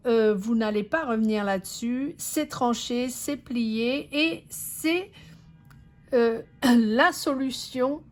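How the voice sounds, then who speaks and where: Slow, hesitant woman reading tarot. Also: fairly high pitch. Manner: slow, hesitant, many fillers and restarts; reassuring, addresses the viewer directly. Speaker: tarot reader.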